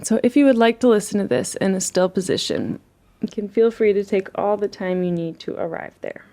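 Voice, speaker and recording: A woman leading a guided relaxation as a meditation teacher, speaking in a soothing, gentle and unhurried way. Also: mid-range voice.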